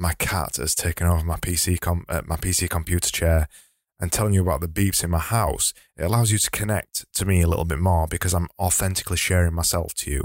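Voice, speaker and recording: A man's very deep, low voice with a Yorkshire accent, fairly even intonation and a fairly quick pace, recorded dry and close with no echo in a very clean, silent setting. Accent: broad Yorkshire. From Yorkshire, England.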